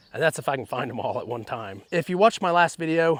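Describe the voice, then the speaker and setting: Intonation here is lively. It comes with an American accent. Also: man. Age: 50s. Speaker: farmer. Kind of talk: casual vlog narration. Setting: outdoors. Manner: casual, conversational.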